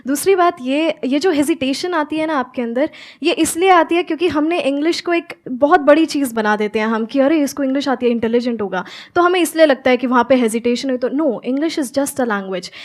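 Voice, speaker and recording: A young woman from Haryana speaks on stage as a motivational speaker and English teacher, her voice sitting high. She switches easily between Hindi and slow, carefully pronounced English phrases. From Haryana, India. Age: 20s. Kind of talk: stage conversation with audience questions.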